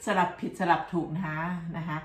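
Chatty Thai woman in a roomy kitchen. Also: a little fast. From Thailand. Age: middle-aged. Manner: chatty and laughing, constant polite tag words. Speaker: cooking vlogger. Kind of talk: chatty home cooking vlog. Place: home kitchen, indoors.

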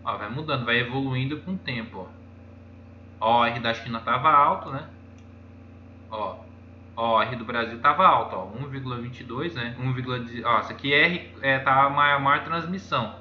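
Speaking at a moderate pace with a medium pitch and long pauses, a Brazilian-accented YouTuber chats through on-screen charts, meandering and repeatedly highlighting details. The sound is lo-fi and dull, with room echo and faint noise.

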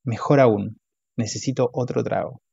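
A man's voice: mid-range voice, steady tone, normal speed, gravelly, a little mellow, breathy edge, no room sound. A man doing a self-pitying drunk husband, whiny, dull dry sound. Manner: wheedling, whiny. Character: hungover alcoholic husband, wheedling and self-pitying.

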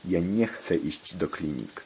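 A man's voice: low-pitched, animated, slow, mellow, exaggerated voice. A man voicing a stubborn, bleeding male pirate prisoner who growls pirate sounds, on a dull lo-fi recording. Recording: dull lo-fi recording, faint hiss.

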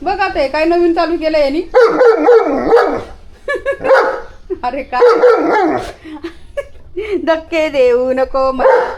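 A woman's voice: extremely slow, pauses often. A woman filming a casual vlog, talking to the camera and scolding and cooing at her pet dogs outdoors on a handheld phone. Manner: scolds and coos at dogs in a high, lively voice. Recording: loud dog barking and outdoor noise.

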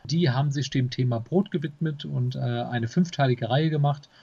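Husky male podcast co-host, dull recording. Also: medium pitch, normal speed, warm tone. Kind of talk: casual podcast announcements of new releases. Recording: slightly dull, lo-fi sound.

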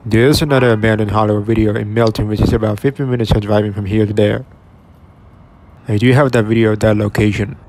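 A man's voice: lowish voice, steady tone, fast, a little mellow. A young man from Oregon giving casual, matter-of-fact narration while touring an empty store. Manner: plain, matter-of-fact commentary. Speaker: retail explorer vlogger.

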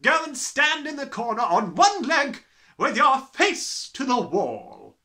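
A man voicing a huge, bullying headmistress, bellowing with scornful, drawn-out menace in a storybook reading. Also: extremely high pitch, big pitch swings, pushed and bright, voice pushed up, full character voice. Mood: furious bellowing. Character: huge, bullying, furious tyrant headmistress, adult woman.

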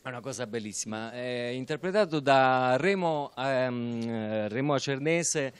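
A man's voice: mid-range voice, a little slow, smooth, dry recording. A man, giving a casual interview in a hesitant manner. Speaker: guest, actor and assistant director. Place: shopping centre walkway. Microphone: handheld microphone held out by host.

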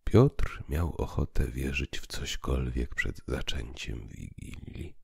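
A man's voice: a bass voice, slow pace, gravelly, darkish tone, husky, no room sound, studio quality. A man narrating a literary audio drama as an audiobook reader. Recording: piano music underneath.

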